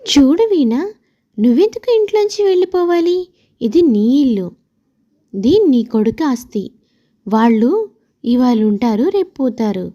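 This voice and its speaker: A high, swooping voice for a bossy storybook friend, acted by a woman narrator. She is insistent and goading, a scheming divorcee. The recording is dull and lo-fi. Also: dark tone, no echo. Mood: scheming persuasion.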